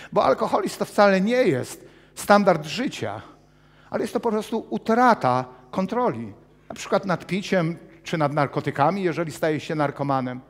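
A man in his fifties preaching a sermon with personal testimony in a small church hall, animated and gesturing as he paces. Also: high voice. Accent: Polish. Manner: animated, gesturing broadly while pacing the stage. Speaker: pastor.

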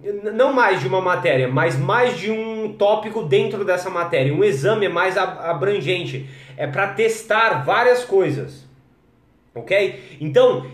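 A Brazilian man teaching English on a live stream, relaxed and chatty, greeting viewers by name and modeling pronunciations slowly. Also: high voice. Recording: echoey room.

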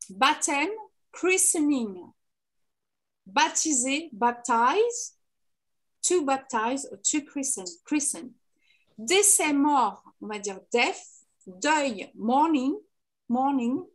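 High-voiced teacher drilling vocabulary. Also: female voice. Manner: clear, patient drilling of vocabulary. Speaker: English teacher. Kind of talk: online class lesson.

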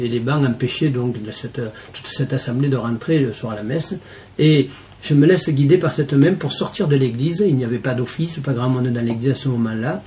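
A man, a deacon, giving an earnest personal testimony in an interview, halting often and restarting his sentences. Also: on the high side, darkish tone, slight background noise.

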